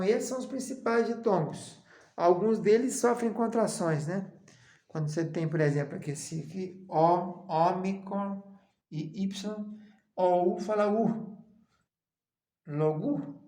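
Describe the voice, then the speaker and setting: A Brazilian man teaching a seminary lesson on Greek. He explains slowly, often adds "né?", and chants the letter names. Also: high-pitched, mellow, reverberant. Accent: Brazilian Portuguese.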